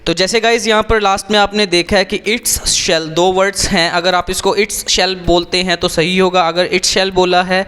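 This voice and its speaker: High-pitched Indian man, teacher reading aloud. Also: level tone, very fast, few pauses, bright, forceful tone, clear, resonant tone, soft background music. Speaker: English exam coach. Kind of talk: instructional read-aloud with tips.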